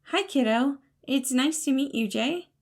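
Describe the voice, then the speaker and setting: An eager, sweet-tempered young man from an audio story , played by a woman. The voice sits high and lifted, with a bubbly, apologetic manner and a touch of nervous hesitation. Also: lively intonation, measured pace, exaggerated voice. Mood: cheerful, eager.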